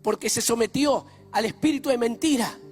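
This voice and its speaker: A man preaching a sermon in a church, emphatic and shifting between loud and hushed delivery. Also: extremely high pitch, fairly quick, faint music behind. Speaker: pastor.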